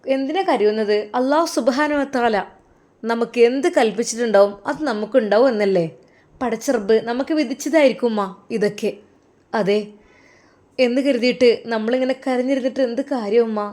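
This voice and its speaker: A woman's voice: fairly high pitch, a little fast, a little mellow, close to an everyday voice. A woman voicing a grieving but resolute young Muslim woman in a spoken story, earnest and pleading. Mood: gently firm. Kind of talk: storybook voice acting.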